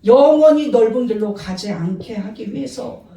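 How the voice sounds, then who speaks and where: A woman's voice: on the high side, lively intonation, normal speed, dark tone. A woman pastor giving a sermon, telling stories and acting out the quoted lines with animation. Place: church sanctuary. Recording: echoey church hall, mic at a distance.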